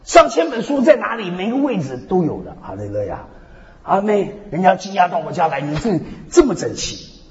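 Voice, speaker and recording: A man preaching a sermon with lively storytelling, repeating "hallelujah, amen" again and again, swinging between loud and soft. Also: high voice, brisk. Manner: peppers speech with "hallelujah, amen" refrains. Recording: echoey hall, dull lo-fi sound.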